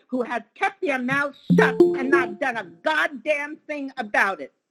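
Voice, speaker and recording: A woman speaks at a high pitch with a bright, sharp tone and a fairly slow pace. The sound is dry and close, with no echo. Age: 70s. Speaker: public commenter. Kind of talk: public comment. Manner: animated.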